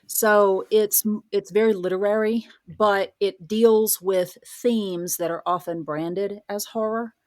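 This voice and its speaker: A woman's voice: mid-range voice, fairly even intonation, slow pace, few pauses, a little mellow. A woman speaking as a podcast guest, a writer and professor, giving articulate, explanatory answers in a conversational interview.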